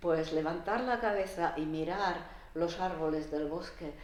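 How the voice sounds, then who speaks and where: Amid noticeable background noise and audible room echo, a speaker with a Czech accent talks at a fairly slow pace with ordinary pitch variation. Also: woman. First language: Czech (speaking Spanish). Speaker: author. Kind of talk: book presentation conversation. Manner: halting.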